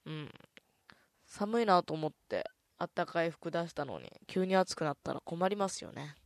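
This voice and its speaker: A woman hosting a casual radio talk show, soft-spoken and easygoing, with a stuffy nose. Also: lowish voice, animated, moderate pace, dry recording, clean studio sound. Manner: soft, easygoing, chatty, with many "un" fillers. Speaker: radio host.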